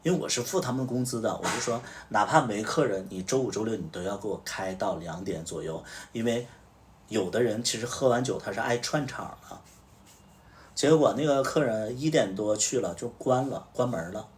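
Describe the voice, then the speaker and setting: A man with a fairly low voice hosts a livestream and tells a story in a casual, chatty way. He acts out the back-and-forth of what each person said. He sits a little way back from the microphone, so the sound is slightly distant. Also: expressive, normal speed. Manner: recounts events through reported dialogue. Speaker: livestream host.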